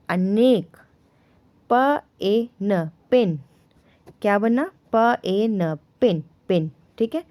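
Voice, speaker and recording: A woman teaching beginners to read Hindi, sounding out each syllable slowly and checking with the learners as she goes. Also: mid-range voice, dark tone, dry recording. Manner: drawn-out syllable-by-syllable spelling, frequent "ठीक है" checks; teasing corrections of wrong pronunciations. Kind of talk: slow, patient beginner lesson, sounding out letters.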